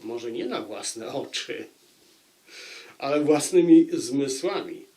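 A man giving an unscripted book review, speaking deliberately and repeating phrases for emphasis. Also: medium pitch, animated, dark tone.

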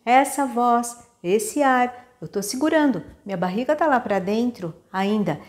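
With a Brazilian Portuguese accent, a woman singing teacher from Brazil demonstrates and explains breathing in a patient, step-by-step vocal lesson, regularly asking how her students are doing. Her fairly high voice is expressive and measured.

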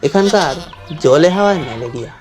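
A man's voice: on the high side, expressive, fast, a little mellow, faint music behind, lightly acted. A man playing a boastful, zealous youth set on doing good, declaiming grandly in a comic audio drama. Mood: earnest, bossy.

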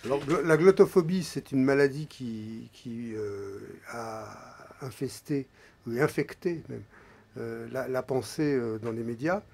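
A man in his forties, a guest in a radio studio, explaining at a measured, hesitant pace and often trailing off quietly. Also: medium pitch, creaky, husky. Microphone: studio microphone, wearing headphones.

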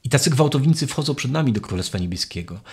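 A man's voice: mid-range voice, expressive, fast, darkish tone, husky. A man giving a spoken catechesis, reflective and searching for words, often restarting his phrases. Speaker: lecturer on faith.

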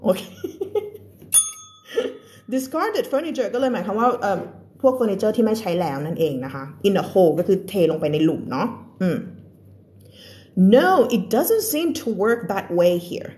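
A woman's voice: medium pitch, sing-song, mellow. Thai-accented woman teaching English on a live stream. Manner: switches between slow, careful English reading and quick Thai explanation; chatty, laughs often and greets viewers by name. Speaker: English teacher reading a storybook aloud. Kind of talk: live-stream English lesson, reading and explaining.

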